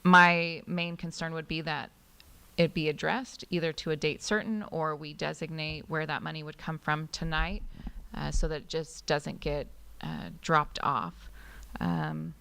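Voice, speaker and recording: A woman's voice: low-pitched, fairly even intonation, unhurried, gravelly, bright, forceful tone, clean tone. A woman stating her position in careful, hesitant phrases as a council member in a public meeting.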